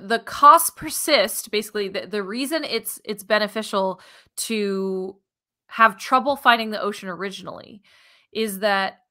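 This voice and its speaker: An American woman in her thirties co-hosting a science podcast, explaining things conversationally in an animated way. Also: mid-range voice. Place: living room at home, indoors. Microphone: headset on a video call.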